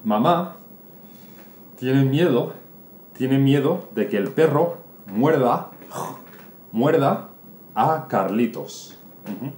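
Teacher guy, super slow storytelling for learners, animated, echoey room, faint hiss. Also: medium pitch. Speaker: Spanish teacher. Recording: roomy room, faint noise.

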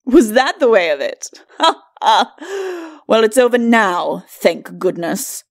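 A woman's voice: on the high side, big pitch swings, slow, heavily acted. Woman playing a skeleton nobleman, storybook character, sneering, quarrelsome husband, archaic lordly diction, very varied intonation. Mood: irritable, dismissive. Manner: haughty, mocking, archaic aristocratic speech. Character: bickering, sneering undead skeleton lord, a husband.

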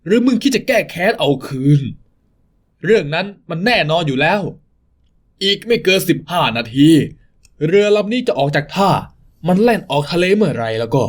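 Casting: man playing a coarse male kidnapper thug, loud, raised pitch, crude and menacing. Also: very animated, normal speed. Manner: shouting crude insults.

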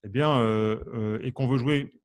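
A man with a medium-pitched, unhurried voice teaches harmonica live online. He comes from France's Champagne region, uses plenty of fillers, and quizzes viewers before reading out their answers by name.

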